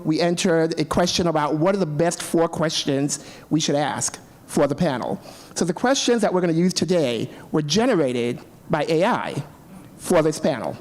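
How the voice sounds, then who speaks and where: A man's voice: high voice, a little mellow. A man moderating a live conference panel, explaining the setup in an upbeat way and keeping things moving. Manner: upbeat, explanatory, short encouraging remarks.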